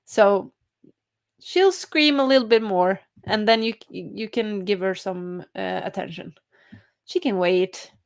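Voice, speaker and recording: Slow-talking giggly woman streamer. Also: mid-range voice. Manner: reads chat aloud, cheerful and giggly. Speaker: writing stream host. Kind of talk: casual live-stream chat.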